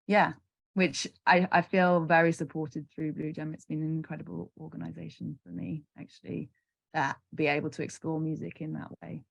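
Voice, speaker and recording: A woman's voice: deep voice, creaky. A young woman from Carlisle, answering casually as a musician guest. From Carlisle, Cumbria, England. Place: online video call.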